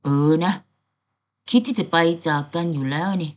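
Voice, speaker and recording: A woman's voice: deep voice, lively intonation, normal speed. A woman doing a sulky, sly young man. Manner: sulky, sarcastic and teasing.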